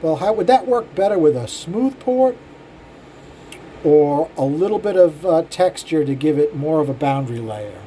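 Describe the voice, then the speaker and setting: A man's voice: a little high, lively intonation, moderate pace, mellow, slight background noise, low-quality recording. An older man, a cylinder head porter, casually talking shop to his viewers in a rambling, self-deprecating way with many fillers. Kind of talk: casual shop talk to camera.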